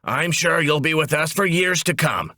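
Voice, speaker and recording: A man voicing a brisk, wisecracking female ad agency boss in a comic audiobook, with a breezy, emphatic manner. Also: on the high side, lively intonation, sharp tone, no echo, studio quality, pitched above the performer's own voice. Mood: breezy, blunt.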